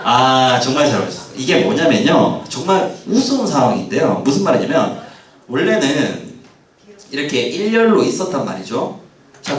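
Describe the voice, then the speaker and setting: Animated male lecturer in an echoey hall. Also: on the high side. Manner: animated, asks audience questions, acts out quoted lines. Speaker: history lecturer. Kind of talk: lively public history lecture. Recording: roomy hall sound, mic at a distance.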